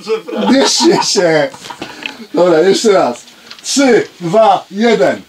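A man directing actors in a recording studio, briskly counting in takes and joking. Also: sits high, animated, slight background noise. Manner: brisk, joking, giving cues. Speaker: audiobook director. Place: studio control room.

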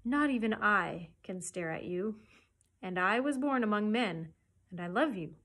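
Woman voicing a wise, husky black panther mentor. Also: mid-range voice, animated, unhurried. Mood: earnest, warning. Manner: earnest, gentle, emphatic.

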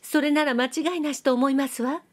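Brief: coy young girl with a soft nasal lilt, pitched high, as a woman reader puts her on. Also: steady tone, a little fast, lightly acted. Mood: coy, pleading. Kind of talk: audiobook reading.

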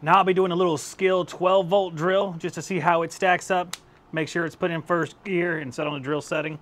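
A little background noise accompanies this relaxed tool review, recorded on a clip-on lapel mic in an indoor home workshop stocked with power tools. The host, a man in his thirties with a slightly high voice, talks at normal speed, chatty and laughing at his own results.

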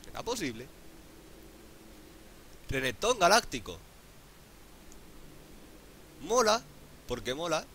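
A man with a Spain Spanish accent doing casual gameplay commentary, excitable, swearing often and pleading out loud. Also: a little high, slow, long pauses. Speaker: gaming YouTuber.

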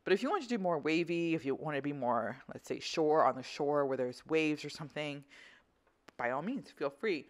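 A woman's voice: low-pitched, lively intonation, normal speed. A woman instructor talking through an art tutorial in a casual, conversational, explanatory way. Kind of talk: casual voice-over craft tutorial.

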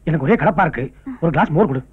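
Father role: a gruff, husky middle-aged villager, quick and animated. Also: on the high side. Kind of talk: 1990s film drama acting. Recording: husky phone-like film audio.

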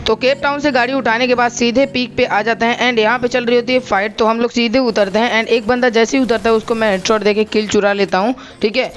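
A man's voice: very high-pitched, fairly even intonation, fairly quick, hardly any pauses, a bit bright. A young man giving a chatty voice-over commentary on his own gameplay, talking straight to his viewers and asking them to comment. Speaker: gaming channel host.

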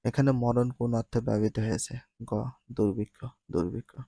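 A man's voice: medium pitch, fairly even intonation, mellow, no room sound. A man reading out multiple-choice questions and answers as a teacher, repeating each answer plainly. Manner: reads each answer twice, slowly and plainly.

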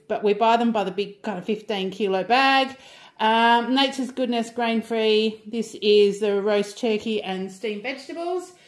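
A woman's voice: fairly high pitch, reverberant. A middle-aged Australian woman chatting casually through a grocery haul, rambling with lots of ums. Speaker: vlogger.

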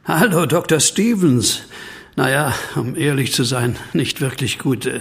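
A man's voice: medium pitch, lively intonation, a little slow, a bit bright, slightly rough, full character voice. An actor playing an anxious, troubled man who fears he is a werewolf, brooding and hesitant, in a horror audio drama. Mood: uneasy.

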